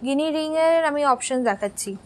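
A woman's voice: high voice, lively intonation, normal speed. A young woman hosting a live jewellery sales stream, chatting casually, answering viewer comments and switching between languages. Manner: chatty, switching between Bengali, Hindi and English; reads viewer comments aloud and answers them.

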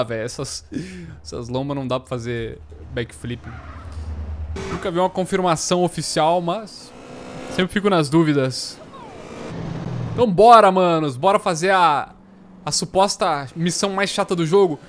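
Streamer, male, 30s: headset mic, casual slangy play-by-play, slightly high voice, faint background hiss. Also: normal speed. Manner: relaxed and slangy, with bursts of excited chatter. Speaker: gaming streamer. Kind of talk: casual gameplay commentary.

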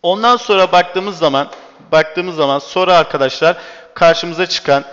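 This exam-prep lecture comes from a male teacher whose high voice is fairly bright and clean, moving at a moderate pace. He repeatedly poses rhetorical questions and supplies the answers, and the classroom recording sounds dull and echoey.

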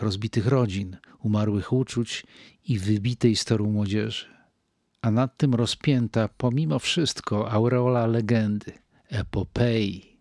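An older man reading a wartime diary aloud in a measured, grave manner, with deliberate pauses. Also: on the low side, darkish tone, no echo, studio quality. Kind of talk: slow reflective diary reading.

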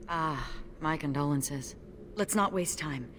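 An actress playing a young dwarf woman warrior in a video game, wry and expressive. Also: deep voice, slow, a little hiss or hum. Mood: dry, wry.

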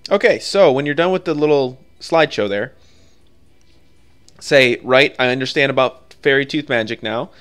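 Male guide narrator, clean smooth voice, casual step-by-step delivery, music underneath. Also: mid-range voice, moderate pace, fairly bright tone. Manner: informal, offhand, conversational. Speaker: video game guide creator.

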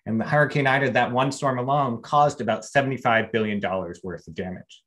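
American man moderating, measured and prepared. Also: mid-range voice, fairly bright tone. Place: small room at home or office, indoors. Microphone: video call microphone.

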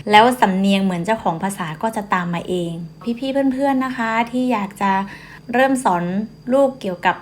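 A woman's voice: mid-range voice, normal speed, slight background noise. A woman chatting patiently and politely to her viewers from a car. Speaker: vlogger. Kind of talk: casual chat to camera.

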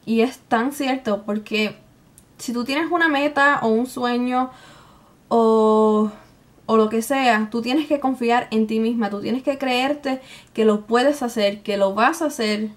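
A woman's voice: fairly high pitch, slow. A young woman with a Puerto Rican Spanish accent chats casually to camera, informal and colloquial, dropping in English words. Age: young adult. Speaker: beauty vlogger. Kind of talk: casual chat to camera, answering tag questions. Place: small room at home, indoors.

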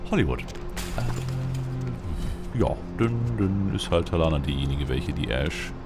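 A man's voice: sits low, lively intonation, slow pace. A man giving casual roleplay commentary on a video game, musing and thinking aloud. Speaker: let's player. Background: game music.

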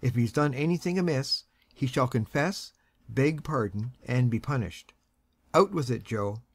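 A woman's voice: a bass voice, expressive, a little slow, breathy edge, voice pushed down, full character voice. A woman voicing a stern, irascible old grandfather who talks sharply and blusters. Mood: stern, demanding.

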